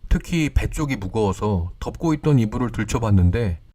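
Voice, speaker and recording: A man calmly narrating scripted horror stories in a measured, storytelling way. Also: lowish voice.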